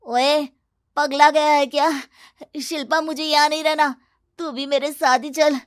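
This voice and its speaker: A woman's voice: sits high, fairly even intonation, measured pace, dry recording, studio quality. A woman voicing a jumpy, easily scared young man in a cartoon story, with dramatic exclamations. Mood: panicked.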